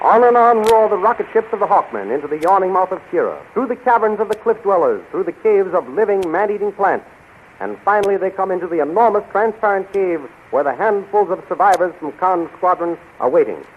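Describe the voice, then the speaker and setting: A man's voice: sits high, animated, fairly quick, narrow, tinny audio. A man narrating a 1930s radio adventure serial in an urgent, declamatory style. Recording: scratchy, thin 1930s radio recording.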